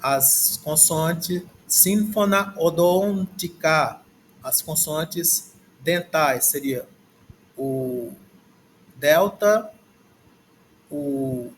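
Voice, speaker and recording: A man's voice: fairly high pitch, drawn-out words, long pauses, a little hiss or hum. A man with a Brazilian Portuguese accent teaching a language lesson, reading through a textbook and saying words aloud several times as he works out how to say them. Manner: repeats words aloud, thinking as he reads. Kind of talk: slow, halting lesson, going through a textbook. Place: at a desk, screen recording.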